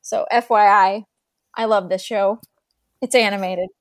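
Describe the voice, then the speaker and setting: A woman's voice: medium pitch, fairly even intonation, measured pace, no echo, clean studio sound. A woman co-hosting a podcast, upbeat and a little rambling. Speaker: podcast co-host. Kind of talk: casual podcast chat.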